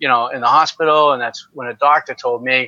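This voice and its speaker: A man with a New England accent speaks fairly quickly in a bright, sharp tone with fairly even intonation. The sound is dry and close, with no echo. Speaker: entrepreneur, stroke survivor. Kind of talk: interview answer.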